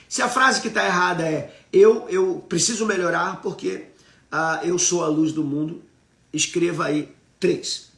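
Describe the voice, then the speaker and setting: Emphatic Brazilian preacher in a roomy space. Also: male voice, high-pitched, creaky, fairly bright tone. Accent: Brazilian Portuguese. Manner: emphatic, asks the audience questions, reads out viewer comments. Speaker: preacher on a live stream. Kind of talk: live-streamed Bible teaching.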